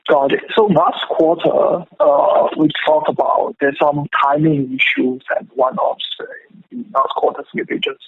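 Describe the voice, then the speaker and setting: A husky, gravelly male voice, a little high in pitch, comes over a thin telephone line. He is an analyst putting questions to company management. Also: very animated, unhurried. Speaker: caller, financial analyst. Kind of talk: asking questions on an earnings call. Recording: narrow-band telephone line.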